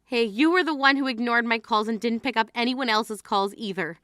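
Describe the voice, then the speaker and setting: A woman voicing an indignant young sister in mourning, scolding with a high, bright, forceful voice. The sound is dry and close, with no room around it. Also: a little fast, dry recording, close to an everyday voice. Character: exasperated grieving sister at funeral. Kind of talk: scripted drama dialogue.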